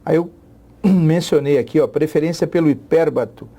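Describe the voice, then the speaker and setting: A man's voice: a little high, normal speed, mellow. A middle-aged Brazilian man giving an exam-prep literature lesson, chatty, repeating key phrases and checking in with the class. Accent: Brazilian Portuguese. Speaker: literature teacher.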